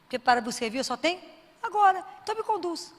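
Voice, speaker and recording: A woman preaching a sermon with a Brazilian accent. She asks her audience questions and answers them herself, and drops to a hushed voice for prayers and key points. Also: very high voice, very animated, quick pace. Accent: Brazilian Portuguese. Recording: long hall reverb.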